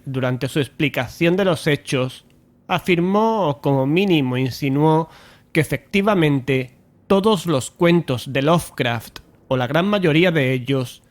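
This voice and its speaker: An actor with an accent from Spain playing a self-assured, conceited investigator, speaking formally and precisely in an audio drama. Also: male voice, a little high, close to an everyday voice. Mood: solemn, assured. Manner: formal, pompous, precise wording. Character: Mario, self-assured, conceited male investigator leading his friends. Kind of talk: Spanish audio drama acting and first-person narration.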